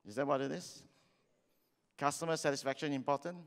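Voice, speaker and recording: A man's voice: fairly high pitch, fairly even intonation, brisk, smooth. A middle-aged man from Singapore with a Singaporean English accent, giving a chatty seminar talk on stage into a handheld mic and asking the audience questions. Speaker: seminar speaker. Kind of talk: lively sales seminar talk. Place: large hall on stage. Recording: long hall reverb.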